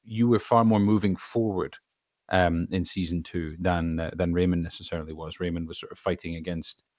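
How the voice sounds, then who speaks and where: A man's voice: deep voice, steady tone, a little fast, a little mellow, dry recording, studio quality. A man speaking as a voice actor in a casual interview, thinking aloud with hesitant starts and thoughtful elaboration. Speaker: voice actor, podcast guest.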